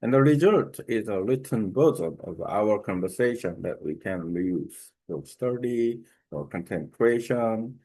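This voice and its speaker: Man, Korean accent, native Korean speaker, fairly low voice, reading a prepared text aloud, careful and halting, filler pauses. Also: expressive, mellow, low-quality recording. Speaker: language learner sharing a study method.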